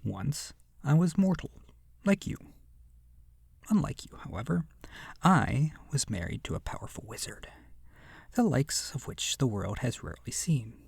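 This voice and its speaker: Slow, creaky, seductive vampire played by a man. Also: medium pitch, sing-song, no room sound, heavily acted. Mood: wistful storytelling. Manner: slow, hushed, lingering pauses, breathy whispering. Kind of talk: ASMR horror roleplay monologue. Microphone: close microphone.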